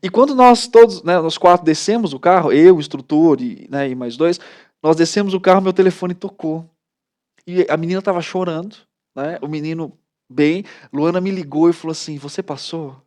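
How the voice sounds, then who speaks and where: A man's voice: on the high side, moderate pace. A man in his thirties, a pastor with a Brazilian Portuguese accent, telling stories animatedly in a casual chat. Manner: animated storytelling, many "né" tags. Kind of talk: casual studio talk.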